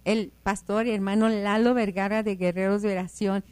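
A woman's voice: mid-range voice, fairly even intonation, normal speed, darkish tone, clean tone. A woman from El Paso, Texas, hosting a Christian radio talk show in a fervent, preachy, upbeat way. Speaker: radio host.

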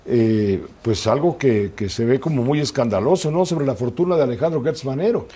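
A man hosting a news interview, asking brisk, probing questions. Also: mid-range voice, lively intonation, mellow, husky. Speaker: radio news host.

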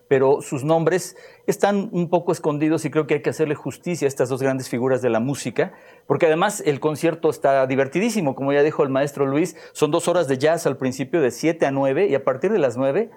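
A man's voice: a little high, a little fast, a little mellow. A man who is a music journalist, speaking fluently and persuasively in long, flowing runs. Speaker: music journalist, festival organizer. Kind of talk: promotional interview talk.

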